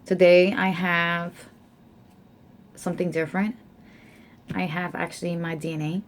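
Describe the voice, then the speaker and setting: Woman vlogger, young adult, casual chat, slow delivery, faint background noise. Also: fairly low pitch, level tone. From United States. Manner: reads results aloud slowly with fillers.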